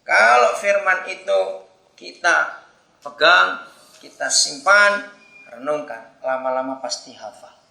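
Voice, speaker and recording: A man's voice: a little high, vocal fry, reverberant. A man preaching a sermon, telling stories animatedly and pressing the congregation to answer. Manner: animated storytelling, asks the congregation for responses.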